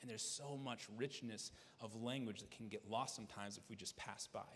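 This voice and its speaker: A man's voice at a fairly quick pace, with fairly even intonation. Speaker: pastor. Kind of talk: sermon. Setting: church. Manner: casual, conversational, fillers like uh. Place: church. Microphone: handheld.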